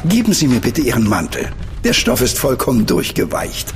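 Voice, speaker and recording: An actor playing a polite, deferential household butler in a radio drama. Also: male voice, medium pitch, huge pitch swings, moderate pace, noisy background. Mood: concerned. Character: formal, solicitous household butler. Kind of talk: German radio drama acting.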